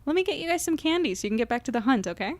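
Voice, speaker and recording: A friendly young woman in an audio drama, talkative and a little wry. Her voice is fairly high and natural, over faint background ambience. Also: sing-song, rapid-fire, a little hiss or hum. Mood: friendly, playful.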